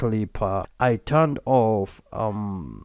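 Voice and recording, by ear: A man speaks at a very slow pace with lively intonation and a fairly low pitch. His tone is slightly mellow, and the recording is very clean with a silent background.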